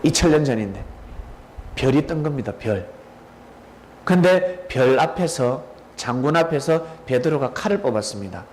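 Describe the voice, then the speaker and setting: A male pastor giving a dramatic storytelling sermon, pausing to quiz listeners by name. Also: medium pitch, animated, a little mellow, a little hiss or hum. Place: church sanctuary.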